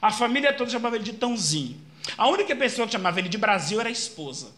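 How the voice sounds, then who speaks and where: A man giving an animated storytelling lecture at a Spiritist center, shouting out the cries he retells. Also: high-pitched, rapid-fire.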